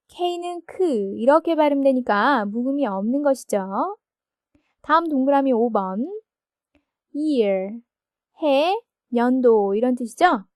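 A woman teaching English grammar in a recorded textbook lesson, explaining slowly and checking each point with her listeners. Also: high voice, no room sound, clean studio sound. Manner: slow, explanatory, asks confirming questions.

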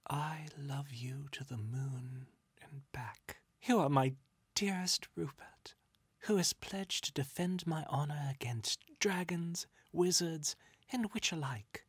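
A narrator voicing a frail ten-year-old girl in a storybook, breathy and sweet, with prim, adoring manners. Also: low voice, slow, no room sound, pitched above the performer's own voice, full character voice. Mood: innocent, adoring. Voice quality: breathy, whispery. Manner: sweet, formal, childlike.

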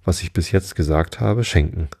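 A self-satisfied duchess who turns every remark into a moral, read by a man in a deep voice. She comes across as gravelly and dark-toned. The delivery is preachy and storybook-like. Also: moderate pace, no room sound, studio quality, exaggerated voice. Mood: smug. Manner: preachy, spins out tangled morals. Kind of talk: storybook reading.

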